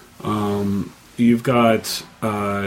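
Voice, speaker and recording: A man's fairly low, monotone voice with flat intonation against noticeable background noise. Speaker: indie game developer. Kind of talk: casual chat.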